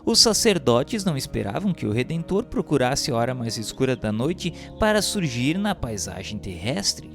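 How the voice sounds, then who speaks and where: A man's voice: medium pitch, big pitch swings, normal speed, vocal fry, hardly any pauses, faint music behind. A man with a Brazilian accent narrating a religious text in a solemn, formal, declamatory manner.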